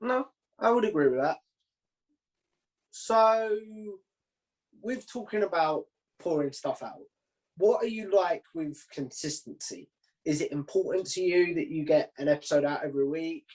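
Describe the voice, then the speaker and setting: A man hosting a relaxed podcast interview, asking questions in an informal, inquisitive way. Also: a little high, a little slow, pauses often, low-quality recording. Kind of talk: casual conversational interviewing.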